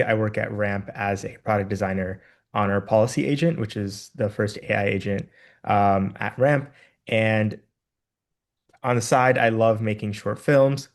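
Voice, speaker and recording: A man introducing himself on a video call panel in a friendly, even way. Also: lowish voice. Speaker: panelist, product designer. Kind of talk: casual self-introduction.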